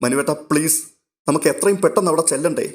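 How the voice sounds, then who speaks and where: A man voicing an anxious, tearful young woman in an audio story, pleading softly. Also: fairly high pitch, fast, lightly acted. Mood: worried.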